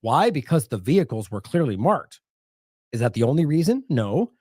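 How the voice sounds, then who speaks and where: A man's voice: mid-range voice, big pitch swings, normal speed, darkish tone, husky, dry recording, clean studio sound. An American man hosting an independent news show, delivering sarcastic, indignant commentary full of rhetorical questions.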